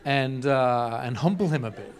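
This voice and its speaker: A man's voice: mid-range voice, normal speed. A man, a film director, explaining his work earnestly in slightly phrasing with light laughs. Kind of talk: panel interview.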